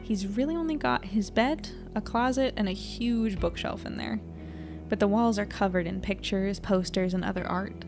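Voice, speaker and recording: An actress playing a curious, considerate young woman in an audio drama, soft-spoken and reflective as she speaks. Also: medium pitch, moderate pace, over music, lightly acted. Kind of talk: first-person audio drama narration and dialogue.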